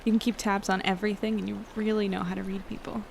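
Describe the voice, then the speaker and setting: Actress as an earnest young woman, lightly creaky voice. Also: mid-range voice, little pitch movement, fast, a little mellow, slight background noise, natural voice. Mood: gentle, encouraging. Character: earnest, guilty young woman, anxious loyal friend. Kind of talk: audio drama acting.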